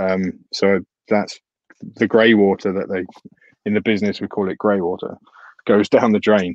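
A man with a fairly low voice speaks in a flat monotone at a moderate pace, leaving long, frequent pauses, with a quiet background and a dry sound free of echo. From UK. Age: 30s. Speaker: travel photographer. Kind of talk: live-stream interview. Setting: video call live stream. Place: home room. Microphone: earbuds.

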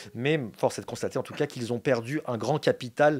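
The man's voice sits at a medium pitch against a quiet background. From France, Iranian parents. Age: 30s. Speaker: journalist; guest. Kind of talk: interview. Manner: hesitant, many fillers. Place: studio. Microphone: studio mic.

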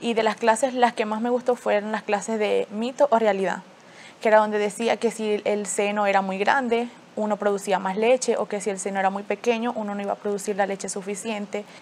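A fairly high-pitched woman with a Venezuelan accent, at a fairly quick pace in monotone, flat intonation, over light background noise. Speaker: hairstylist. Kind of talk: personal testimony. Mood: calm, reflective, some sadness. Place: studio.

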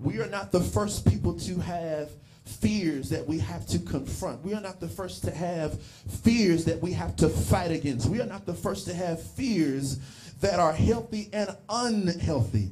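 Music plays in the background while a man speaks fairly slowly. His pitch swings very widely. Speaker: preacher. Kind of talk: sermon. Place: church. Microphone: handheld.

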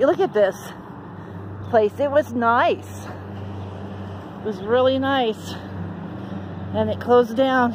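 The sound is dry, with no echo, and noticeable background noise. The speech moves at a fairly slow pace. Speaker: urban explorer vlogger. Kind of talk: casual vlog chat. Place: street. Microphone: phone near.

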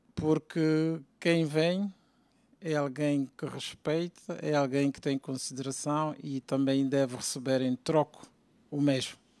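At a very slow pace, a man speaks in a fairly high voice with fairly even intonation and big swings in loudness. The sound is dry with no echo. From Angola. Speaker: author. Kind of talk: formal book presentation speech. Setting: auditorium, also streamed online. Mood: reflective, personal, somber moments. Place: hall. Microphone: handheld.

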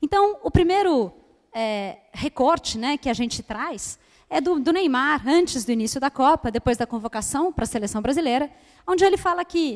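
A woman speaks over a quiet background. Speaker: university professor presenting. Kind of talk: lecture. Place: hall.

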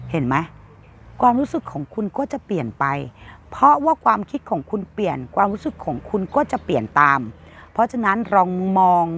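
A woman with a medium pitch and vocal fry swings her pitch very widely, in a dry sound with no echo. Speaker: tarot reader. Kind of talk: tarot reading monologue. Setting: outdoors. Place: garden.

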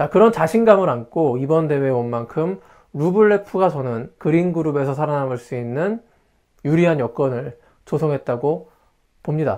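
Over a quiet background, a man speaks at a moderate pace with a dark, mellow tone. His pitch is fairly high and his intonation lively. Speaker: tennis commentator / YouTuber; tennis commentator. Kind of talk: solo analysis monologue. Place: office. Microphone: lapel.

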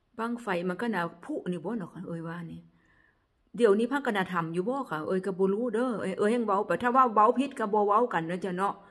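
The speaker's pitch varies in an ordinary way against a quiet background. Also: woman. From Thailand. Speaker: vlogger. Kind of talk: casual chat. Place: home room. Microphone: phone near.

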